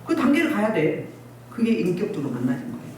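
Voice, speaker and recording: A woman's voice: medium pitch, sing-song, fast, a little mellow. Exhorting woman pastor, echoey hall. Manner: scolding, exhorting, rhetorical questions. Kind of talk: sermon. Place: church hall. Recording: echoey distant church recording, faint noise.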